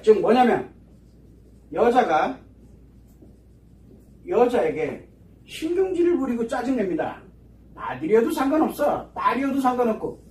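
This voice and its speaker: Animated lecturing man, high voice. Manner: animated, asks the audience rhetorical questions. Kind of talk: psychology lecture to an audience. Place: lecture hall. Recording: echoey room from far off.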